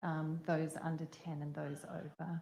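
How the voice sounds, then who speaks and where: Soft-spoken and somewhat breathy, a woman talks in a fairly low pitch with a dark, mellow tone and monotone, flat intonation. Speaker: public health official. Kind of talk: public meeting presentation. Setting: public meeting with audience. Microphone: too quiet, not speaking into mic.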